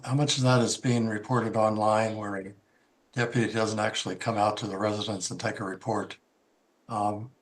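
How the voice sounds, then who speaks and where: Man on a video call making a rambling public comment, lots of fillers. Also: on the low side.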